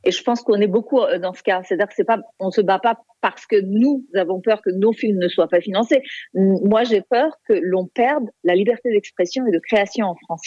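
A woman's voice: mid-range voice, brisk, mellow, no echo. A woman from Iran, a film director, answers radio interview questions hesitantly, with many fillers and restarts. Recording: dull lo-fi line.

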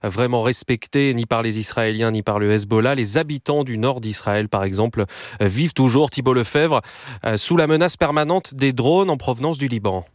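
A man's voice: medium pitch, dry recording. Dry-voiced male radio news anchor. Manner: measured, with occasional hesitations. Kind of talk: live radio news presenting.

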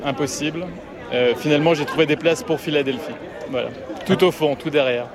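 A football fan answering a reporter's questions outdoors on a city street, in short relaxed replies. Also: male voice, on the high side, a little fast. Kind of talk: street interview. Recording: busy street with crowd. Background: crowd of fans.

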